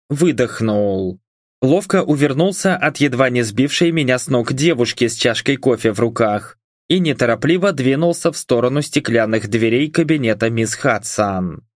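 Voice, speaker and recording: A man narrating a first-person audiobook in a calm, even storytelling manner. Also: mid-range voice, dry recording, studio quality.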